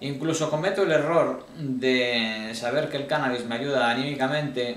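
A man speaks at a moderate pace with fairly even intonation. Room echo is audible. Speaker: vlogger. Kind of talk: personal account to camera. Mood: serious, reflective. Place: home room. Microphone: camera far.

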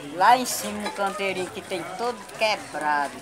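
This woman talks at a fairly slow pace. Music can be heard behind her. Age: 70s. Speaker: former gravedigger. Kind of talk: interview answer. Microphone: phone near.

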